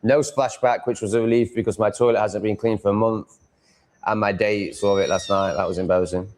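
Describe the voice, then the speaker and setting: A man's voice: on the low side, fairly even intonation, fairly quick, a little mellow. A man with a Yorkshire accent chatting casually as a livestream host, rambling in a blunt, crude, sweary way. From Yorkshire, England.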